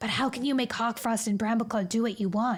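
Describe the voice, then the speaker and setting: In a put-on character voice, a woman speaks very fast at a fairly high pitch with fairly even intonation, on a very clean recording with a silent background. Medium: virtual streamer. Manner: uneasy, deferential.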